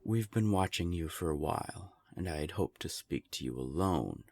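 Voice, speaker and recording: A man's voice: deep voice, lively intonation, moderate pace, darkish tone. A man voicing a smug, taunting non-binary vampire envoy with formal phrasing in a scripted audio drama.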